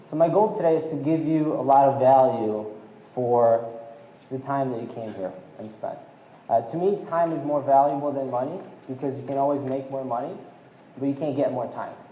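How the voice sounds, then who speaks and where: A man speaks at a moderate pace with long, frequent pauses, ordinary pitch variation and big swings in loudness, with audible room echo around him. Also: fairly high pitch for a man. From Poland. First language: Polish. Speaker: motivational speaker. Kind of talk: motivational talk. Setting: stage with audience.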